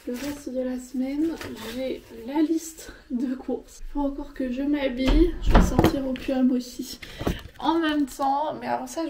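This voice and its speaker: A woman's voice: high-pitched, mellow, a little hiss or hum. A young woman, tired and sniffly with a cold, chatting casually at home for her vlog with lots of hesitant fillers. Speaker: vlogger. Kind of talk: casual vlog chat to camera.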